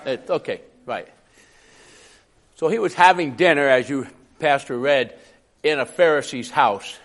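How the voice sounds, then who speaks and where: Man, preacher, raspy, hoarse, coughing, conversational sermon, mid pitch. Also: measured pace, fairly bright tone. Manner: conversational, chuckling asides.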